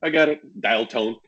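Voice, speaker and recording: A man talking candidly as a guest on a casual podcast, acting out sales pitches as he tells stories. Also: fairly bright tone, highs cut off. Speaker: podcast guest, real estate agent.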